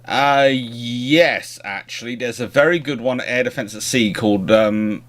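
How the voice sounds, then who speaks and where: Male livestream host, mid-pitched voice, chatty and meandering, informal delivery with broken-off sentences. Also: a little slow. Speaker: livestream host answering naval history questions. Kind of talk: casual live stream chat.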